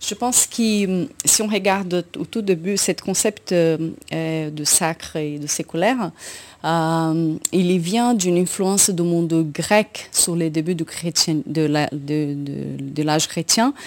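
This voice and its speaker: A woman's fairly low voice, very slow in pace, with ordinary pitch variation. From Brazil, São Paulo. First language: Portuguese (speaking French). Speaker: orchestra conductor. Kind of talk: casual chat.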